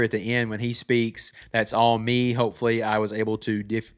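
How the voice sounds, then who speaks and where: A man giving a casual tutorial as a filmmaker, walking through how a short film was made. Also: on the low side. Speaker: filmmaker presenting a breakdown of their own short film. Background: background music.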